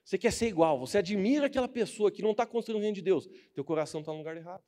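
Lively young Brazilian man preaching. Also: high voice, very fast. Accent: Brazilian Portuguese. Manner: animated and joking, acting out quoted people. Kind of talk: casual youth sermon.

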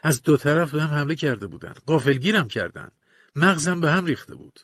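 A man narrating a first-person audiobook in a measured, confessional, colloquial manner, recorded close to a studio mic. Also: on the high side, animated, a bit bright, slightly rough, no echo.

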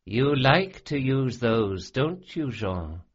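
A man's voice: medium pitch, very animated, slow pace, breathy edge, highs cut off, pitched above the performer's own voice, exaggerated voice. A man voicing a smug, cruel male sorcerer who sneers and relishes every cruelty. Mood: gloating.

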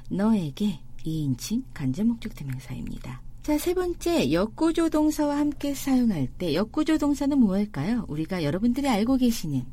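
Woman doing a spanish grammar lesson, husky, warm, bouncy pitch, slows down on examples. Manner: clear explanatory, slows to spell out example sentences. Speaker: Spanish teacher. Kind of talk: language lesson narration.

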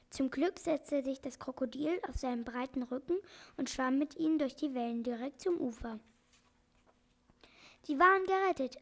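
A woman reading a children's story aloud, expressive and dramatic. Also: sits high. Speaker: narrator.

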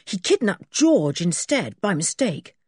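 A woman's voice: mid-range voice, sing-song, unhurried, husky, no echo, studio quality, pitched above the performer's own voice. A woman voicing a sensible schoolboy who explains things in an earnest, matter-of-fact way. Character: sensible older schoolboy, the leader.

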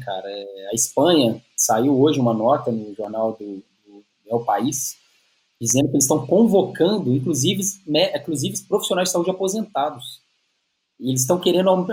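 A man's voice: medium pitch, a little mellow, poor audio. A man with a Brazilian Portuguese accent hosts a live chat. His voice sits in a middle register, and he speaks informally, addressing his guest like a buddy. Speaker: live-stream host.

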